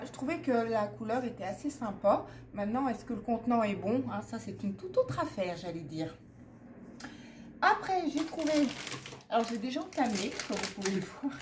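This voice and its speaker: Middle-aged French woman, chatty rambling vlogger, slightly high voice, recurring cough. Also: darkish tone, a little hiss or hum. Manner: chatty and rambling, many fillers and asides. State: persistent cough. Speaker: haul vlogger. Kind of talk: casual haul chat to camera.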